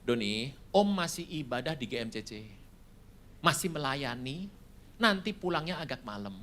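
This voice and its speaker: A man's voice: fairly high pitch, sing-song, normal speed, sharp tone, a little hiss or hum. A preacher voicing a welcoming middle-aged mother inviting her daughter's friend to dinner.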